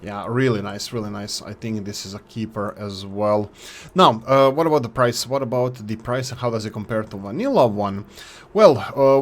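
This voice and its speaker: A man talks through game mods into a desk microphone. His voice sits at a middling pitch. He sounds chatty and enthusiastic, and he often stops and restarts his words. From Yugoslavia. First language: Serbo-Croatian. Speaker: gaming YouTuber reviewing mods. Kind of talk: casual gameplay commentary.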